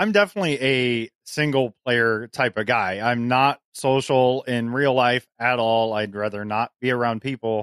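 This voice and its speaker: This man has an ordinary speaking voice at a medium pitch, with ordinary pitch variation and hardly any pauses. He talks at a fairly slow pace against a quiet background. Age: 30s. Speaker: podcast host. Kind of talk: casual chat; listener question reading.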